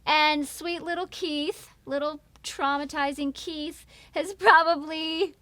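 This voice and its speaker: A woman's voice: high voice, steady tone, slow pace, sharp tone, no room sound. An American woman from New York, chatting casually and expressively as an enthusiastic interview guest. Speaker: guest, voice actor.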